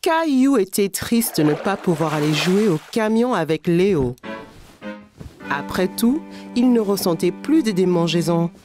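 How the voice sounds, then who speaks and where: A woman playing a gentle narrator in a children's cartoon, reading scripted story lines with expressive, clear phrasing. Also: on the low side, measured pace, music in the background. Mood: sympathetic.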